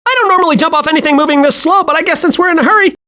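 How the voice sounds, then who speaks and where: An actor voicing a hyperactive, naive, cheerful squirrel in an animated video game, with an excitable, childlike manner. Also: very high-pitched, very fast. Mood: gleeful. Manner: excitable, childlike, gleeful exclamations.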